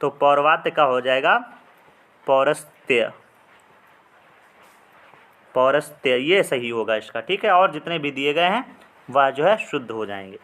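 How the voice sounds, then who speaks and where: Male teacher, fairly high bright voice, reads questions and stretches out key words. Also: sing-song, moderate pace. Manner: reads questions then explains, drawing out words to spell them. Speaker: exam prep teacher. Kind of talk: explaining Hindi practice questions.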